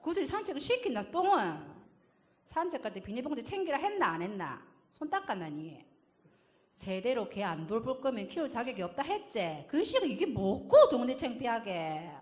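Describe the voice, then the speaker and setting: A woman's voice: fairly high pitch, very animated, darkish tone. A woman voicing a nagging father who scolds his young son nonstop in Gyeongsang dialect. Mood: scolding. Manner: rapid scolding, nonstop orders.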